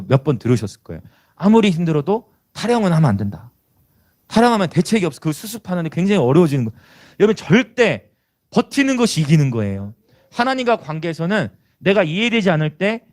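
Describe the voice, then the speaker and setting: A man's voice: a little high, a little mellow. A male pastor preaching a sermon in an emphatic, exhorting, conversational way.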